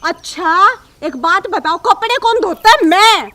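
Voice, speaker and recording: Woman as a high, bright, commanding policewoman daughter-in-law, comedy film. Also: a little slow. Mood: stern. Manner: commanding, sharp-tongued. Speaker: police officer in a comedy telefilm.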